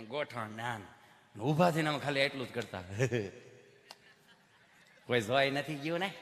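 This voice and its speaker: A man's voice: fairly high pitch, big-room sound, slight background noise. A man telling comic stories on stage and acting out the people in them. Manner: animated, acts out mothers, children and doctors. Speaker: stand-up comedian. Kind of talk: Gujarati folk comedy storytelling.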